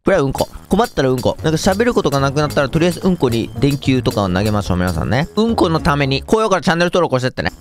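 Excitable young man playing a game. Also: mid-range voice, racing, hardly any pauses, soft background music. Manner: excitable, jokey, talks to viewers. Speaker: gaming YouTuber. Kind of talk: game commentary.

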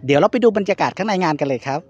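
A man's voice: on the high side, expressive, dull audio, loud music behind the voice. A man reporting from an outdoor night event, interviewing a guest politely with frequent short acknowledgments. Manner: brisk, polite, lots of backchannel. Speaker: entertainment news reporter. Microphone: handheld mic.

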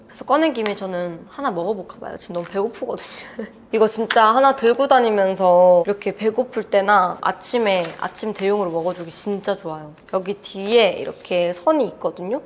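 A woman's voice: medium pitch, a little hiss or hum. A woman, chatting casually and expressively to camera as a beauty and fashion vlogger. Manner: chatty, expressive, uses cute sound words. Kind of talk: casual chat to camera, showing bag contents. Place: indoors, living room at home.

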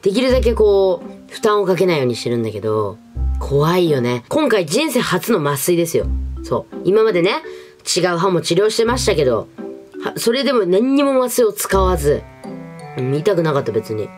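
A woman's voice: fairly low pitch, sing-song, fairly quick, a little mellow. A young adult woman vlogging in a casual, chatty, informal way, talking to the camera in a small room. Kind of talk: casual chat to camera, product review. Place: small furnished room indoors. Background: background music.

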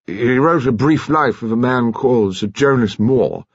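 Man acting a husky, awkward navy commander. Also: mid-range voice, no room sound, muffled recording, voice pushed up. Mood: nervous, awkward. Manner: groaning, halting, nervous gabble. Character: embarrassed, pained, gruff retired navy commander, a man.

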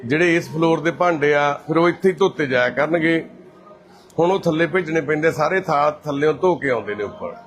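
Punjabi-accented man hosting a live shelter tour, upbeat and coaxing, voice sitting a touch high. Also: brisk, a bit bright. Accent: Punjabi from Punjab, India. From Punjab, India. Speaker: host and caretaker at a care shelter. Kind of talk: live walk-through narration.

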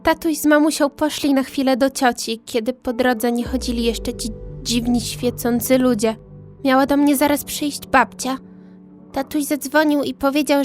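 Woman voicing a high-pitched timid little girl. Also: lightly acted. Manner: childlike, simple, hesitant wording. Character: timid little girl of about eight, trusting. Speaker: actress in audio drama. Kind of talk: acted horror audio drama dialogue. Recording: music under the voice.

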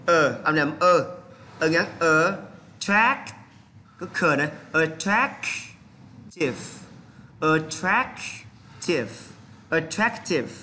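A man's voice: high-pitched, sharp tone, a little hiss or hum. A man with a Vietnamese accent teaching English vocabulary, drilling pronunciation and switching between English and Vietnamese. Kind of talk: bilingual vocabulary lesson.

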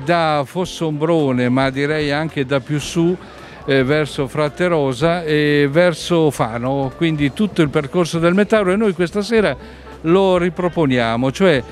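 Masked man, higher-pitched, halting explanation. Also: faint music behind. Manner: halting, self-correcting, explanatory. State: through a face mask. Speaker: wine presenter at a food festival. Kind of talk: guided wine tasting presentation. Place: outdoor festival venue.

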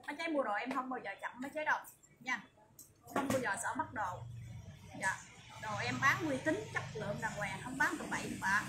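A woman with a southern Vietnamese accent giving a chatty, repetitive livestream sales pitch as an online shop seller. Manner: chatty, repetitive, emphatic assurances. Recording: distant mic with loud background noise.

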